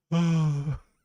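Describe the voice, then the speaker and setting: A man's voice: a little high, dark tone, no echo, lo-fi sound. A young man rambling casually on a game livestream, playful and jokey as he chats back to viewers. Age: young adult. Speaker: live streamer and audio creator.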